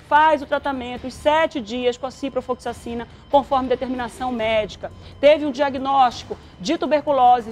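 A woman in her thirties with a Brazilian accent, presenting in a TV studio and explaining to viewers in an animated, chatty way while gesturing. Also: high voice, a little hiss or hum. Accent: Brazilian Portuguese. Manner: animated, talks with her hands, addresses viewers directly.

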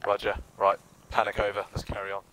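A man with a low, level voice speaks as a patrol commander over helmet radio in a military game. His delivery is clipped procedure with casual turns, and heavy noise and clicks cover the channel. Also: monotone, fast. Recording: very noisy, clicking radio-style game voice chat.

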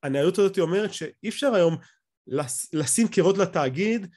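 An Israeli man in middle age speaks in a fairly high male voice. He lectures off the cuff over slides on a video call. His delivery is explanatory and somewhat halting, with phrases often begun again. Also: lively intonation, darkish tone. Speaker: academic lecturer.

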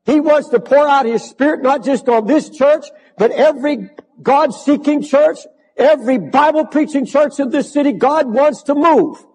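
Older guy preaching, kinda high voice, big churchy echo, gets fired up and hammers the same phrase. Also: moderate pace, a little mellow. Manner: builds to fervent, emphatic repetition. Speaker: pastor. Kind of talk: sermon. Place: large church.

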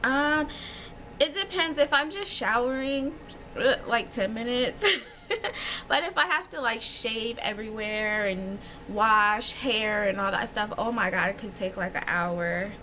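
Bright chatty woman in her thirties. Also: fairly high pitch, a little slow, a little hiss or hum. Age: 30s. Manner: chatty, giggly, lots of fillers. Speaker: vlogger. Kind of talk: casual chat answering tag questions. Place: small home room with shelves.

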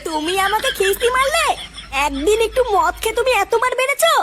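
A woman voicing a quick-tempered, scolding mother in a comedy cartoon. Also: very high-pitched, sing-song, very noisy. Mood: outraged.

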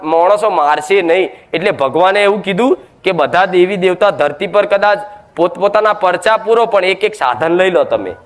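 A man's voice: high-pitched, a bit bright. A man preaching a devotional sermon at a goddess shrine, scolding his listeners and throwing rhetorical questions at them.

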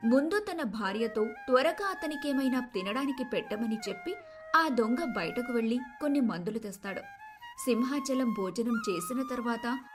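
Female story narrator, high voice, very animated intonation, telling a folk-style moral tale.

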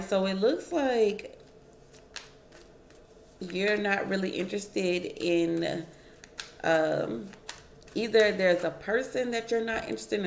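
A woman's voice: medium pitch, vocal fry, reverberant, slight background noise. A woman giving a casual tarot reading at home, chatting to her viewers and musing over each card aloud. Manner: chatty, addresses viewers as y'all, muses over cards aloud. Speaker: tarot reader. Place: home, at a wooden table.

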